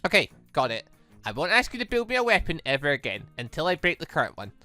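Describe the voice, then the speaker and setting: A gaming host voicing a wary, earnest young protagonist in a visual novel, speaking in a measured way. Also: medium pitch, sing-song, bright, forceful tone, soft background music. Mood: awed, earnest.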